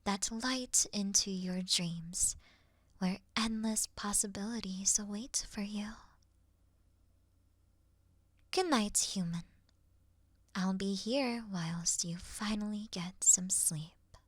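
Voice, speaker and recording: A woman playing an earnest, awkward moth girl in a sleep-aid roleplay, soft and often whispering, with a gentle, slightly formal manner. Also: mid-range voice, slow, no room sound. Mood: tender, soothing.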